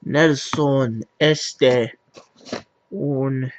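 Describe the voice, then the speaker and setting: An American man, a native English speaker, slowly works through simple sentences, stopping and restarting as he searches for words. His delivery is very slow and hesitant. The recording sounds slightly dull and lo-fi. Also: medium pitch, fairly even intonation. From United States. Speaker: language learner. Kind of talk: halting self-recorded language practice.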